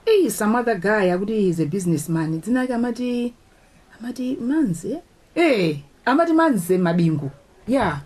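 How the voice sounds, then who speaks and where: A woman's voice: medium pitch, animated, moderate pace, darkish tone, close to an everyday voice. An actress with a Malawian accent playing a sociable, chatty woman doctor in a radio drama. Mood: puzzled. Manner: chatty, mixes in English phrases.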